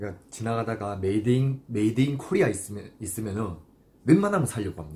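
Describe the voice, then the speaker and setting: A man's fairly low, dark and mellow voice, somewhat breathy, at a very fast pace, with lively intonation and big swings in loudness. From South Korea, Ulsan (Gyeongsang). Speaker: husband in Korean-Japanese couple vlog. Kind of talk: casual chat, Q&A.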